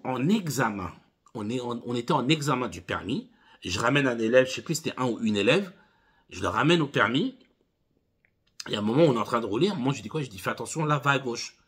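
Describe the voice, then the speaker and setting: With a medium-pitched, slightly rough voice, a man in his thirties recounts amusing driving-instructor anecdotes. It's casual storytelling straight to camera, lively, with viewers addressed as "les gars."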